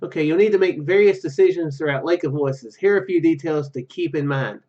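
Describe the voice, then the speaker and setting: A man hosting a gaming video, commenting casually and reading game text aloud in a halting, rambling way. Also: fairly high pitch, dark tone, highs cut off.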